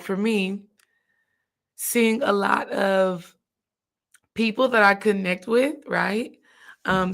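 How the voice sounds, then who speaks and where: Hoarse woman chatting on a live stream. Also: mid-range voice. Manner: chatty, addresses viewers directly. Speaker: spiritual healing coach. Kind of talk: casual live-stream talk.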